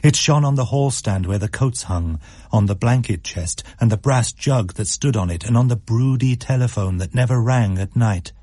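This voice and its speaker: A man narrating a spooky story in a measured, suspenseful way. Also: mid-range voice, dark tone, no room sound, clean studio sound.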